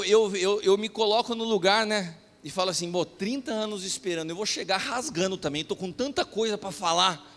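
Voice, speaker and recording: A Brazilian pastor preaching a sermon, telling a self-mocking story in an animated way. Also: male voice, very high voice. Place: church hall. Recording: long reverb of a church hall.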